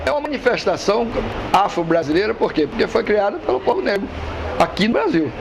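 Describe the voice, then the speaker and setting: A man's voice: high voice, sing-song, quick pace, creaky. A man who teaches capoeira, speaking in a casual interview, emphatic and blunt, swearing freely. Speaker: capoeira master. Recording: street traffic noise behind.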